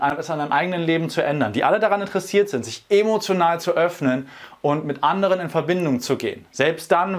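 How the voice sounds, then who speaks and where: A man who runs men's workshops, talking straight to camera in an energetic, persuasive, colloquial way. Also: fairly high pitch. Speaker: workshop organizer. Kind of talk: direct-to-camera promotional talk.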